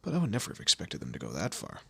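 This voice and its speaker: A man playing a commanding, teasing demon lord in an audio roleplay, with a low gravelly, husky voice and an imperious, theatrical manner. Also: wildly swooping pitch, rapid-fire, bright, forceful tone, no room sound, full character voice. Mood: probing, menacing. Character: male demon lord, commanding, menacing, teasing boss of hell. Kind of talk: scripted audio roleplay addressed to the listener.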